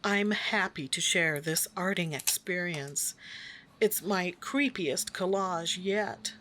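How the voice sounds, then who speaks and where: A woman's voice: fairly low pitch, takes it slowly, bright, forceful tone, slight background noise. A woman hosting a craft video, narrating conversationally with a wry, dry sense of humor.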